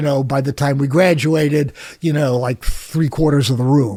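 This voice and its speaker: A man with an American accent talks at a moderate pace in a fairly high, somewhat breathy voice with ordinary pitch variation. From California. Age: 70s. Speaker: drug law reform activist. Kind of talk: interview. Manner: halting, with frequent self-corrections.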